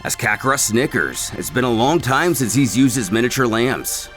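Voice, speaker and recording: A man narrates a scripted story recap with a wry, dramatic flair. His voice is bright and forceful, and his pitch moves around a lot. Music plays underneath him. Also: lively intonation, normal speed. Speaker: narrator of a comic recap series. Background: background music.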